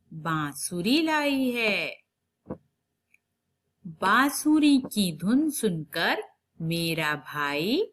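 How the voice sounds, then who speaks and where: Slow, lively woman teacher dictating. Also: medium pitch. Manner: slow, drawn-out dictation with repeated sentences; quicker, explanatory asides to pupils. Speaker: primary school Hindi teacher. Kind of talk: online lesson for young children.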